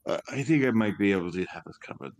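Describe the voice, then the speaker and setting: A man talks casually at a tabletop game, thinking aloud about his character's actions. His voice sits fairly low. The sound is dry, with no room on it. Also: expressive, quick pace, darkish tone, dry recording.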